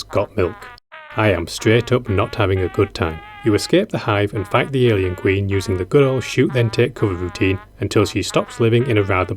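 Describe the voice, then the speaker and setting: A man's voice: on the low side, darkish tone. A man narrating a scripted game review as a scathing, drily sardonic critique. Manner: dry, sardonic humour. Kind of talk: scripted video essay narration. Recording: music behind the voice. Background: background music.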